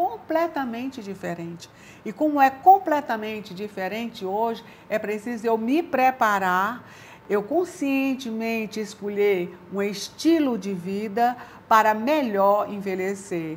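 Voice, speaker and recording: This woman has a plain, everyday voice, pitched fairly high. She speaks at a fairly slow pace with lively intonation. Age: 60s. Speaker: gerontologist. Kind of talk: interview.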